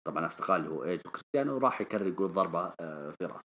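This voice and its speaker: Male podcast host, fast and expressive recap delivery. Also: sits low. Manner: animated storyteller, acts out quoted lines. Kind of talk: wrestling show recap.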